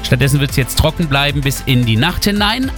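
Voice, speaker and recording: A man's voice: medium pitch, animated, a little fast. A male radio host giving traffic and weather reports in a chatty way, speaking directly to his listeners from a studio. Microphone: studio microphone. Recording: music bed under the voice. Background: music bed under the talk.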